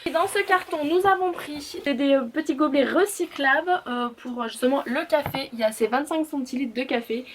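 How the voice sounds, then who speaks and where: A woman talking casually through a haul vlog at home, chatty and halting with many fillers. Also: sits high, roomy sound, slight background noise. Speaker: vlogger. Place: home kitchen and garage.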